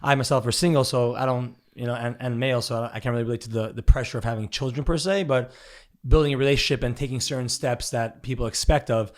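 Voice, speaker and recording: A man's voice: medium pitch, steady tone, quick pace. A man in his thirties hosting a casual interview, rambling through his questions with many restarts. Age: 30s. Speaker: podcast host.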